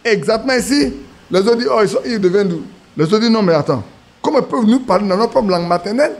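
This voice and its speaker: Male preacher, high-pitched, sermon storyteller. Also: animated, quick pace. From Ivory Coast. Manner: storytelling with acted quotes, restarts.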